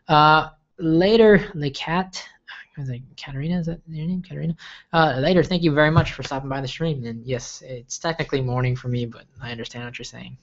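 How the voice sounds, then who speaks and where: A man's voice: mid-range voice, highs cut off. A young man from the States hosting a casual livestream Q&A, chatty and rambling with lots of fillers and restarts. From United States. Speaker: livestream host answering viewer questions.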